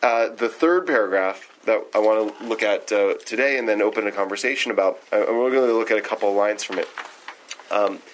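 A man's voice: on the low side, a little fast. A man leading a text study, giving an informal, thoughtful lecture and often checking in with his listeners.

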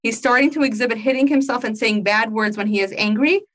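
A woman's voice: on the high side, fast, a bit bright. A woman hosting a parenting conversation who reads a listener's question and then chimes in playfully, acting out how parents talk to children. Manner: enthusiastic, playful, acts out kids' voices. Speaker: podcast host reading listener questions. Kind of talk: casual conversation.

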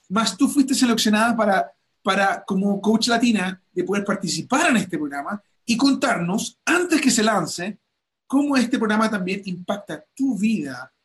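A man hosting an interview with a high, bright voice. He talks with lively enthusiasm and stumbles into frequent fillers and restarts as he introduces his guest. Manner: animated, many fillers and restarts. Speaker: host.

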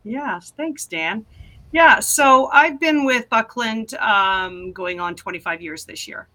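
A woman's voice: a little high, slow, bright, forceful tone. A middle-aged woman from Canada, a guest explaining her work in a friendly, explanatory way during an interview. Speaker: guest, logistics professional. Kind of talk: casual interview answers.

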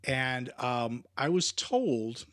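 A man hosting a sports podcast, friendly, stammering a little and clearing his throat often. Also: mid-range voice, expressive, extremely slow, no echo, studio quality. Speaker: podcast host. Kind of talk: casual interview chat.

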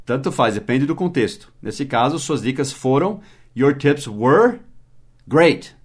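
A man teaching English in a mini-podcast, spelling words letter by letter and slowing down for the English examples. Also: mid-range voice. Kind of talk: mini-podcast language lesson.

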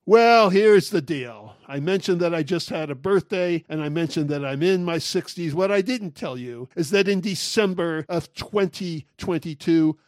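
A man in his sixties hosting a solo talk show, talking in a wry, animated, joking way. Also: on the high side, moderate pace, few pauses, dry recording, clean studio sound. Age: 60s. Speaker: podcast host.

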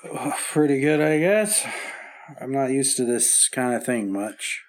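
A man's voice: medium pitch, lively intonation, close to an everyday voice. A man playing an anxious heart patient. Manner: anxious, halting, stubborn. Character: worried middle-aged man with heart trouble. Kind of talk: 1950s radio drama acting.

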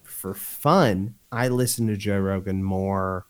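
A man's voice: deep voice, fairly even intonation, takes it slowly, smooth. A young man co-hosting a podcast in casual chat, swearing freely and laughing often. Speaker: podcast co-host.

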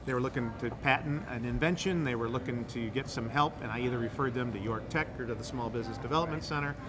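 A man's voice: mid-range voice, fast talker, noisy background. A man from the Midwest, a guest on a podcast, explaining at length in a rambling, enthusiastic way with frequent restarts. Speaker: guest, incubator director. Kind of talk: casual podcast interview.

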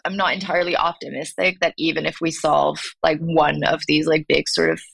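A woman's voice: low-pitched, level tone, a little fast, creaky. A young woman from Finland, a startup founder, talking through her ideas thoughtfully with many fillers and restarts in an interview. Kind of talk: conversational interview.

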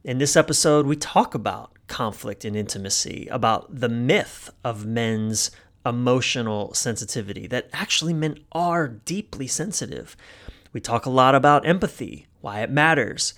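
A man's voice: mid-range voice, animated, moderate pace, fairly bright tone. A man hosting a podcast, introducing the episode and chatting with his guest in an enthusiastic, chatty way. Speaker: podcast host.

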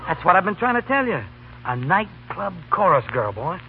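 Earnest young american college student, kinda high voice, halting slangy talk, crackly old 30s radio sound. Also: male voice, big pitch swings, phone-quality sound. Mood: urgent, earnest. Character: earnest, boyish male law student helping a girl. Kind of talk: 1930s radio comedy acting. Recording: thin, noisy 1930s radio broadcast.

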